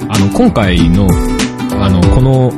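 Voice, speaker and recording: A man's voice: fairly low pitch, slow. A man hosting a casual chat, rambling with many fillers and laughs. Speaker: podcast host reviewing apps. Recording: loud music playing behind.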